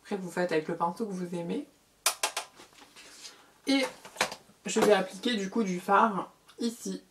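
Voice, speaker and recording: A middle-aged woman giving a casual makeup tutorial as a beauty vlogger, chatty, repeating words and filling pauses. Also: mid-range voice, background noise.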